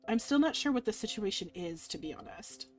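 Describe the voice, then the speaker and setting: A woman's voice: medium pitch, expressive, brisk, lightly acted. A woman voicing a wary, self-deprecating, worn-out human in a visual novel, casual and hesitant, over music. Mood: wry, wary. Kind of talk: visual novel character reading. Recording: music playing underneath.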